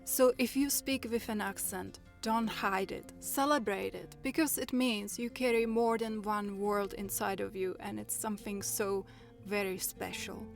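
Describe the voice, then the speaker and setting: A woman's voice: mid-range voice, fairly even intonation, creaky, soft background music. Earnest Czech-accented woman vlogger. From Czech Republic. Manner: earnest and encouraging, with measured phrasing. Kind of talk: personal, reflective vlog talk.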